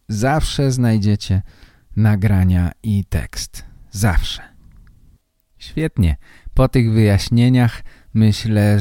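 A man hosting as a language teacher, giving instructional talk in deliberate, simple phrases and repeating his key points. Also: lowish voice, dark tone, no echo, studio quality. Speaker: language teacher and podcast host.

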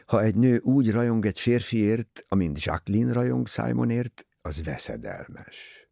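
A shrewd older male detective, as a male reader voices him in an audiobook, calm and knowing, speaking in measured remarks. The low voice is gravelly and husky, rising and falling widely. The recording is dry and close. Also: no room sound.

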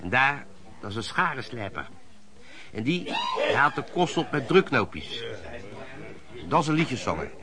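An actor in a Dutch radio play voicing a knowing, streetwise veteran lodger, talking in a wry, confiding, colloquial way. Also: male voice, mid-range voice, sing-song, measured pace, pauses often, over a noisy crowd. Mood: wry, amused.

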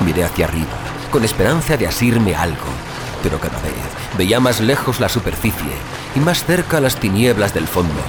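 Voicing a dazed, desperate survivor in an audio drama, a man narrates in the first person at normal speed, somber and haunted. His voice sits low but ranges widely in pitch, very animated, punctuated by theatrical gasps and exclamations over clearly audible music.

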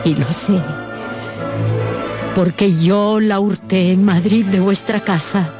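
A woman's voice: medium pitch, fairly even intonation, takes it slowly, close to an everyday voice. An actress playing a remorseful old gypsy grandmother in a radio drama, solemn, imploring and emotional. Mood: anguished confession. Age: older. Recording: prominent music behind.

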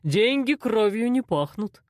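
A woman voicing a cold, menacing male loan shark boss in an audiobook, speaking slowly and mockingly. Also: fairly high pitch, big pitch swings, no echo, studio quality. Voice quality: slow, drawling, mocking. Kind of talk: audiobook character voice.

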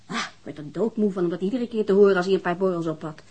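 A woman's voice: medium pitch, quick pace, mellow, husky, natural voice. An actress playing a weary, defensive divorced mother, answering questions hesitantly in a naturalistic radio drama. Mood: weary, reluctant.

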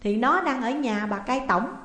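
A woman's voice: on the high side, animated, a little slow, a bit bright, pitched above the performer's own voice. A woman voicing a surprised village neighbor asking questions, in a roomy recording with long reverb.

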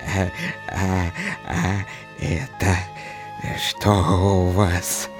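An actor playing a sly, smug, cowardly village deacon in a theatrical audio drama, with halting, pompous, exclamatory delivery. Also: male voice, low voice, level tone, music in the background. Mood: smug, flirtatious.

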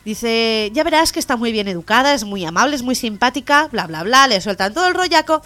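A woman co-hosting a local radio comedy show with a Catalan Spanish accent, telling jokes with lively acted-out voices. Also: on the high side, fairly quick, dry recording. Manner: lively joke-telling, acting out the lines of the joke characters. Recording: radio show with faint music behind.

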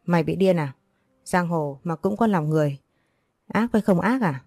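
A woman voicing a harsh male kidnapper boss who barks rough, contemptuous orders. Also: lowish voice, expressive, normal speed, darkish tone, no room sound, clean studio sound.

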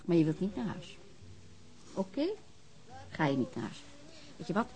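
Frank, inquisitive woman with lively intonation. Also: fairly low pitch, normal speed. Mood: frank, coaxing. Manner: informal, probing, with short questions. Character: frank, inquisitive woman hosting a guest at home. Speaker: actress in a radio crime drama. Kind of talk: naturalistic Dutch radio drama dialogue.

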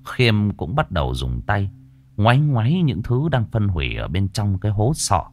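A man narrating a horror story in a vivid, lively storytelling manner. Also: lowish voice, normal speed.

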